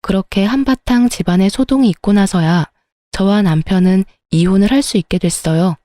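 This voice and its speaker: Mellow-voiced woman narrating a story. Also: medium pitch, normal speed, no echo, studio quality. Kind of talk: scripted first-person story narration.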